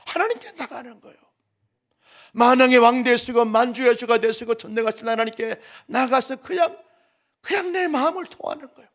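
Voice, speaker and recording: A man's voice: extremely high pitch, normal speed, a bit bright. A male pastor preaching a dawn service sermon with impassioned, emphatic repetition.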